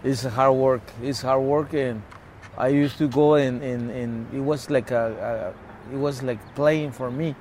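Halting man. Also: mid-range voice, steady tone, darkish tone, a little hiss or hum. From Mexico-California border region. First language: Spanish. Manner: halting, with many restarts and repeated words. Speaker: activist guest. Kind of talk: personal storytelling in conversation.

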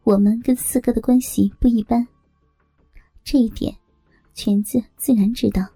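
Female audiobook narrator, husky, gravelly, mellow tone, dry close recording, faint music under. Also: on the high side, moderate pace, dry recording. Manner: steady first-person storytelling.

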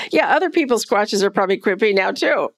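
A woman recounting a romantic memory in an interview, candid and full of laughter. Her voice has a gravelly edge at a middle pitch. The sound is close and dry. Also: a little fast, no echo. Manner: lively, laughing, candid storyteller. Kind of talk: storytelling in a podcast interview.

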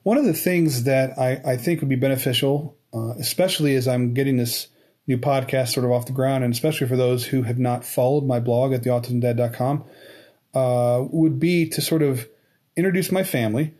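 A man's voice: medium pitch, steady tone, a little fast, a little mellow. A man of forty hosting his own podcast, talking casually with many restarts and fillers. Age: 40s. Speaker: podcast host. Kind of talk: casual interview chat.

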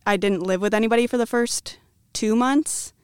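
A woman's voice: on the high side, moderate pace, clear, resonant tone, no echo, clean studio sound. A woman in her twenties from the American Midwest, chatting casually as a podcast guest in an upbeat, talkative way. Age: 20s. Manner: chatty, upbeat, many likes. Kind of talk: casual chat.

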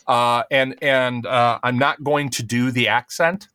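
A man's voice: medium pitch, steady tone, unhurried, bright, forceful tone, clear, resonant tone, no echo. A man co-hosting a casual comedy podcast, telling rambling self-mocking stories. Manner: rambling storyteller, self-deprecating. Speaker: podcast co-host.

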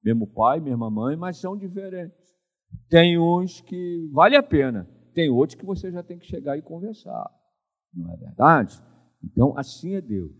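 A man's voice: medium pitch, phone-quality sound. An older man, preaching a sermon as pastor and often asking the congregation for an amen. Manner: animated preaching with frequent call-and-response questions to the congregation.

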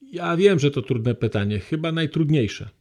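A man reading aloud, voicing a gentle, patient young woman who speaks in a softly coaxing tone. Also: fairly high pitch, animated, normal speed, natural voice.

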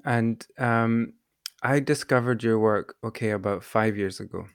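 Chatty podcast host, a lower-voiced man. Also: unhurried, smooth, no echo, clean studio sound. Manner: chatty, many ums and restarts. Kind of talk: podcast interview and sponsor read.

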